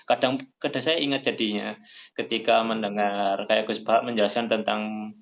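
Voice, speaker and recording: A man hosting a casual religious study talk, animated, his voice climbing high when he quotes people. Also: normal speed. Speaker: study session host. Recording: dull lo-fi sound.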